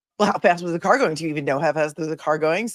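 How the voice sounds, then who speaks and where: In a raspy, whiny put-on character voice pitched fairly high, a man talks at a very fast pace. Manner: whiny, insistent.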